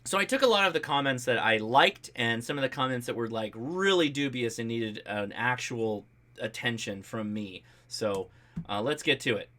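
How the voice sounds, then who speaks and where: Male livestream host, American, bright and punchy mid-range voice, animated and jokey, off-the-cuff delivery. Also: mid-range voice, normal speed. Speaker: host of a ham radio livestream. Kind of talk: casual livestream chat, reading and answering viewer comments.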